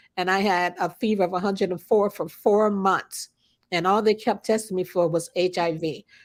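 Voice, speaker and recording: Here a woman talks in a plain, everyday voice at a moderate pace. Her intonation is fairly even. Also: medium pitch for a woman, very clean recording, silent background. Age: 60s. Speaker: lupus patient advocate. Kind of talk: casual chat.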